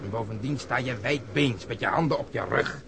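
An actor playing a blunt, sardonic, impatient police detective in a radio drama. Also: male voice, medium pitch, brisk, creaky, close to an everyday voice. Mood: scolding, sardonic. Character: gruff, sarcastic, impatient plainclothes police detective, male. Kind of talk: Dutch radio drama acting. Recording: noisy old radio drama recording.

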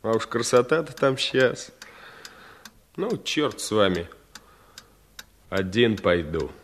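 A breezy young hunter. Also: male voice, fairly low pitch, very animated, takes it slowly, slight background noise, heavily acted. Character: young village man Yashka, cheery, boastful hunter. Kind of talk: Soviet radio play acting.

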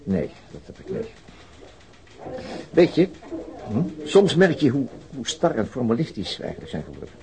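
An actor playing a sober, methodical police detective in a radio drama, with a hesitant, understated way of talking. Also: male voice, mid-range voice, wildly swooping pitch, normal speed, gravelly, pauses often, a crowd in the background. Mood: pensive, weary. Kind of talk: naturalistic radio drama dialogue.

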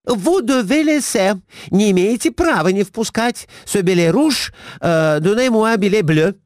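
A shrill, bossy middle-aged wife nags in a high, swooping voice, as a male reader puts her on. She peppers her scolding with broken French, and the sound is dry and close, like a storybook recording. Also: sing-song, unhurried, a little mellow, no room sound. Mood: frantic.

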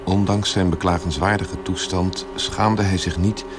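A man's voice: low voice, steady tone, unhurried. A man reading scripted literary narration as the narrator of a radio play. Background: loud music.

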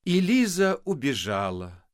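A man narrating a literary audiobook in an expressive, ironic way. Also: a little high, unhurried, no room sound, studio quality. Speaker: audiobook reader.

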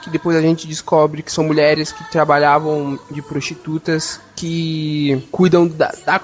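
A man's voice: on the high side, level tone, measured pace, faint music behind. A man with a Brazilian accent hosting a casual film podcast, rambling with many restarts and jokes. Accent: Brazilian Portuguese. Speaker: podcast host and editor.

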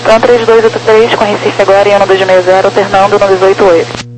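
Brazilian air traffic controller, sex ambiguous mid-pitched voice, very fast monotone clipped callouts, noisy humming radio channel. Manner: procedural, rapid-fire instructions. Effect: aviation radio transmission.

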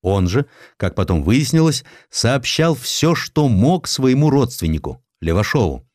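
A man reading historical prose as an audiobook narrator, in an expressive storytelling manner with a dramatized touch. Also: mid-range voice, unhurried, dry recording, studio quality. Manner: expressive storytelling, acting out quoted lines.

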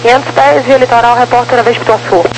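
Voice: mid-range voice, steady tone, fast. An air traffic controller giving terse, procedural instructions in clipped aviation phraseology over a radio transmission. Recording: noisy, humming aviation radio.

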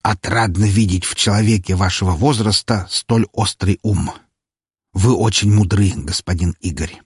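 A man voicing an elderly, courteous Chinese chancellor who speaks calmly and formally. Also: sits low, normal speed, breathy edge, no echo, studio quality. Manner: ceremonious, formal, calm.

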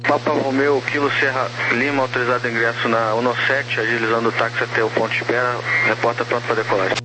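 A man's voice: medium pitch, little pitch movement, fast. A Brazilian man working as a tower air traffic controller, speaking clipped procedural phraseology over crackly radio. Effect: crackly aviation radio. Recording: noisy aviation radio with electrical hum.

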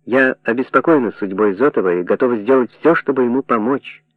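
Мужчина-чтец озвучивает иностранную журналистку, говорит размеренно и искренне. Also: male voice, medium pitch, brisk, no echo, close to an everyday voice. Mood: earnest. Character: foreign woman journalist, calm and earnest. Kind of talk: audiobook character reading. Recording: dry narrow phone-like sound.

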